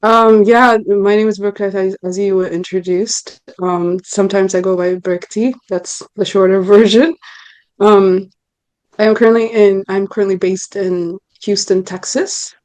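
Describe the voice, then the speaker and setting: A woman's voice: medium pitch, steady tone, normal speed, darkish tone, clear, resonant tone, low-quality recording. A woman in her twenties from Ethiopia, answering interview questions earnestly, with frequent ums and restarts. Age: 20s. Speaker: interview guest. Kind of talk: casual interview talk.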